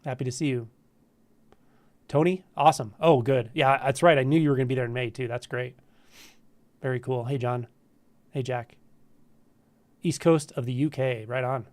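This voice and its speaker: A man with a cold and a stuffy voice, hosting a casual live Q&A stream, greeting viewers in a relaxed, friendly way with frequent ums. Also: medium pitch, normal speed, pauses often, no room sound. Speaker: spiritual teacher hosting a live Q&A. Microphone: camera livestream setup.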